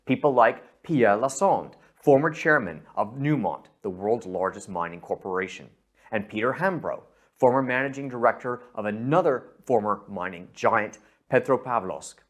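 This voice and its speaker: A middle-aged man from San Francisco with an American accent, presenting a scripted investment pitch and speaking directly to the listener. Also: lively intonation, normal speed. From San Francisco, USA. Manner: persuasive, addresses the listener directly.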